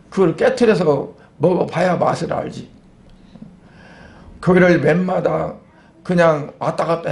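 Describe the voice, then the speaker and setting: A man, a pastor, preaching a Sunday sermon in a conversational way, asking rhetorical questions and pausing on fillers. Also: on the high side, gravelly, darkish tone.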